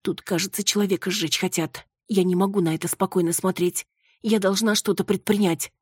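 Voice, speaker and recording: Brief: woman reader playing a desperate young heroine, higher and tense, in a dry close take. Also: normal speed, darkish tone, husky, no echo, lightly acted. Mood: panicky. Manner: pleading, breathless and panicky. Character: frantic young woman Marusya. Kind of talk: audiobook character voice.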